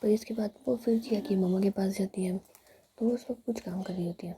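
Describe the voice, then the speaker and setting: A young woman softly whispering a romantic story as narrator, in an intimate way. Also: mid-range voice, fairly even intonation, a little fast, a little hiss or hum. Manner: soft, intimate, retelling in present tense.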